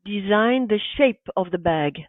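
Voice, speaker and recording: A woman's voice: mid-range voice, lively intonation, unhurried, dry recording. An enthusiastic woman answering interview questions in short, emphatic bursts. Her voice comes through a tinny, phone-like remote call line, bone dry with no room sound. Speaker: guest, artist and bag designer.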